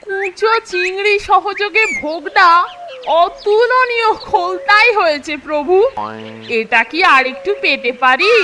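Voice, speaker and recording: A woman's voice: extremely high pitch, animated, a little slow, music in the background. A woman voicing a cheeky, scheming schoolboy in a children's cartoon, sly and confident. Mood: mock-polite. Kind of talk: Bengali children's cartoon voice acting.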